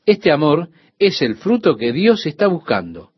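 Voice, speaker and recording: A man's voice: on the high side, big pitch swings, a little slow, breathy edge, no echo, lo-fi sound. An older man, a pastor, giving a radio sermon in an earnest teaching tone with rhetorical questions to the listener.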